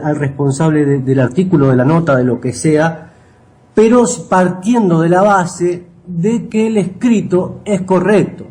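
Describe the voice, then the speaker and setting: Higher-pitched Rioplatense man, mellow delivery. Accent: Rioplatense Spanish. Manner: explanatory, often checking with tag questions. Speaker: interview guest, writer and copy editor. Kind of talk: conversational interview answers.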